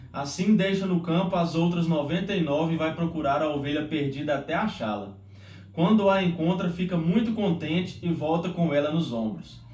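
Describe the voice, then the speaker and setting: A man's voice: fairly high pitch, a little mellow. A Brazilian man speaking earnestly and devoutly, hosting a devotional of prayer and scripture reading aloud. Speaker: Bible reading host. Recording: roomy echo, distant mic, faint noise.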